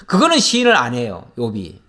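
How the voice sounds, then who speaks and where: A man, a pastor, giving a verse-by-verse Bible lecture, explaining at length and asking and answering his own questions, with drawn-out fillers between thoughts. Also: mid-range voice, wildly swooping pitch, pushed and bright.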